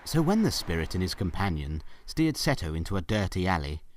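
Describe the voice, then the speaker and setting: Deep-voiced, expressive male narrator. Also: brisk. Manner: expressive, theatrical. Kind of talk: dramatic scripted storytelling narration.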